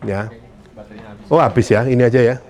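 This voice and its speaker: Animated man coaching salespeople. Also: high-pitched, normal speed, highs cut off. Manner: lively, joking, acts out client dialogues. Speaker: insurance sales trainer. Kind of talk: motivational training talk to a live audience.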